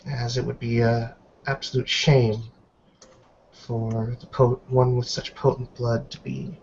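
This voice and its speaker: A man playing a stern elderly tribal matriarch in a roleplay game, speaking formally in deliberate, halting phrases. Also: medium pitch, little pitch movement, a little mellow. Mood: grave, stern. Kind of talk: tabletop roleplay in character. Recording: dull online call with background noise.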